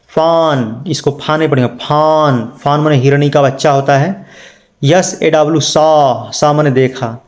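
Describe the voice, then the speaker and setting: A man's voice: on the high side, darkish tone. A man teaching an English pronunciation lesson, spelling words out letter by letter and asking his students questions. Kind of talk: spoken lesson.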